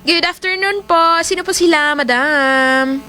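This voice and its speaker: High-voiced playful Filipina radio DJ. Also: female voice, unhurried. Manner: chatty, playful, reads listener shout-outs. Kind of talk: call-in radio show with greetings. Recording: music bed playing loudly behind.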